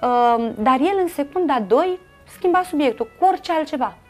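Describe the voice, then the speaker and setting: A woman's voice: high voice, animated, soft background music. A middle-aged woman with a Romanian accent, an interview guest earnestly recounting a personal family story with many fillers and quoted dialogue.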